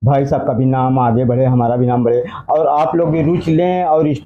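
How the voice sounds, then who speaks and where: A man's voice: medium pitch, steady tone, moderate pace, muffled recording. A man in his fifties, a guest hoping to become a singer, answering earnestly in long rhetorical lists. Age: 50s. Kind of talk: earnest interview answers, folk song.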